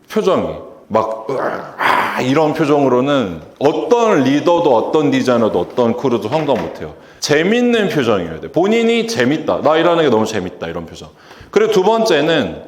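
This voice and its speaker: A man giving a public lecture to an audience, acting out quoted lines from customers and staff. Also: mid-range voice. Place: lecture hall. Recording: echoey lecture hall.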